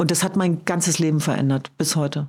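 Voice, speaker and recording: The woman's tone is dark and mellow, with a fairly low pitch and fairly even intonation. The recording is very clean, with a silent background. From Germany. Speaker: human rights activist and journalist. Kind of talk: interview conversation.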